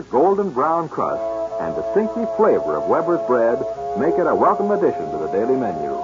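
A man reading scripted copy as an old-time commercial radio announcer. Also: medium pitch. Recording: dull vintage radio recording.

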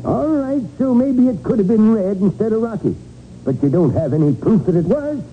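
High-voiced, grumbling radio police chief. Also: male voice, expressive, normal speed. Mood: doubtful. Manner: folksy, hesitant, grumbling. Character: tired, grudging small-town male police chief. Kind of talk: 1940s radio crime drama acting. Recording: narrow, noisy 1940s radio recording.

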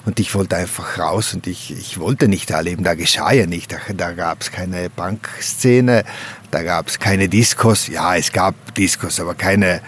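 A man from a mountain valley in South Tyrol, speaking outdoors in a slow, reflective way and often pausing to search for words. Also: low voice, a bit bright, a little hiss or hum. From Gröden valley, South Tyrol, Italy. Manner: slow, thoughtful, searching for words with frequent hesitations. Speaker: interviewee. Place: outdoors on a mountain slope by a wooden hut.

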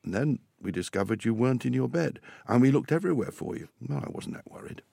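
A man reading a storybook as a cross farmer dad who softens into pride. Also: mid-range voice, expressive, quick pace, gravelly, no room sound, studio quality, voice pushed up. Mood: proud, warm.

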